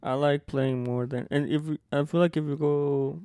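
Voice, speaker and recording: A young man from Durango, Mexico, a native Spanish speaker with a Mexican Spanish accent, co-hosting a podcast in a relaxed, hesitant way. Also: on the high side, moderate pace, clean tone, no room sound, studio quality. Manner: relaxed, hesitant, many "you know"s. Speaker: podcast co-host. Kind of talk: casual podcast chat.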